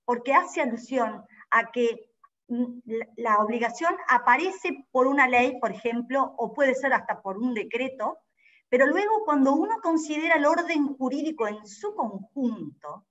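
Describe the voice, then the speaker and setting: Higher-voiced woman lecturing on law. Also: expressive, fairly bright tone. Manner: careful, explanatory, pauses to rephrase. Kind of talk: academic seminar lecture. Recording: dull lo-fi audio.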